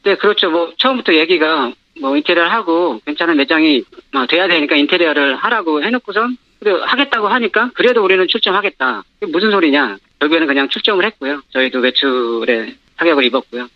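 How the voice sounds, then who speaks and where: A man with his voice disguised by a pitch-shifting modulator, calling in as an anonymous former store owner and talking hesitantly with many fillers. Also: animated, fast talker, few pauses, no echo. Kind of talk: phone-in news interview. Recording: dull phone line.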